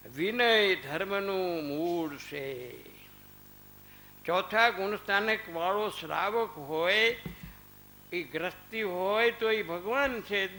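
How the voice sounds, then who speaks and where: A man with a fairly high, bright voice gives a spiritual discourse to a small group. His talk is chatty: he calls on listeners by name, tells anecdotes and recites verses between points. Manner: conversational, addresses listeners by name. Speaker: religious discourse speaker.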